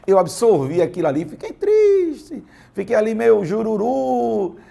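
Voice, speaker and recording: Gravelly-voiced pastor preaching. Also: male voice, high voice, expressive, normal speed, dark tone. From Brazil. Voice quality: gravelly, husky. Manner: conversational preaching with personal anecdotes, playful. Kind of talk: sermon. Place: church.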